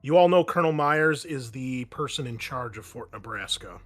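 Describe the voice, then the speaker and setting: A man's voice: mid-range voice, expressive, normal speed, soft background music. A man running a tabletop roleplaying game, explaining action and rules in a casual, profane way. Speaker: game master.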